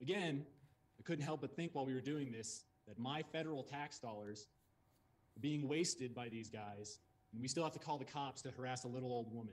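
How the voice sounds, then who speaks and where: A man's medium-pitched voice, fairly quick, with ordinary pitch variation. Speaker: public commenter, food volunteer. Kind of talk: public comment. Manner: unscripted. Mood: frustrated, earnest. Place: meeting room. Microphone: podium.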